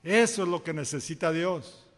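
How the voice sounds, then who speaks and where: A man's voice: on the high side, normal speed, in a large hall. A man preaching a sermon, telling a folksy parable and acting out the dialogue. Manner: folksy storytelling, acts out dialogue, chuckles. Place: church.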